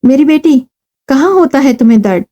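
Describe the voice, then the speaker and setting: Anxious doting mother, read by a woman, pleading and fretful, raised pitch. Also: animated, mellow, muffled recording.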